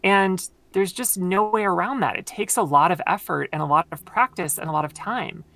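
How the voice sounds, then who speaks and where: A woman with a very low voice, explaining at length in casual conversation with many fillers, her voice tired from long talking. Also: moderate pace, a bit bright, dry recording. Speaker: podcast guest.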